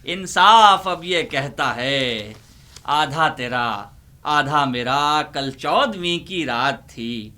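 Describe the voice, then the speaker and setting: A Pakistani man hosting a humorous poetry reading, delivering verses in a theatrical, drawn-out way with repeated lines and banter. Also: fairly high pitch, animated, bright, forceful tone. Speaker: host reciting humorous Urdu poetry. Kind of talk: dramatic comic poetry recitation with banter.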